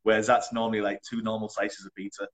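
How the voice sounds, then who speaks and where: Young guy trainer, lowish voice, laid back, blunt, laughs a lot. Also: quick pace. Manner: relaxed, chatty, laughs often, blunt wording. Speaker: personal trainer. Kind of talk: casual interview.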